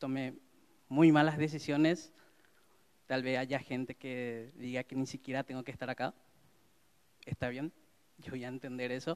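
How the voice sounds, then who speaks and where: Recorded dry and close with no echo, a man of medium pitch speaks in a monotone, flat way at a moderate pace, leaving long, frequent pauses. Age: 30s. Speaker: church member. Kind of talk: testimony.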